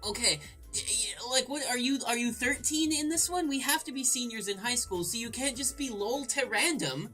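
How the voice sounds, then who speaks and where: A woman's voice: on the high side, normal speed, pushed and bright, faint music behind. A woman hosting a let's play, reading game text aloud and breaking in with irreverent, crude, jokey asides.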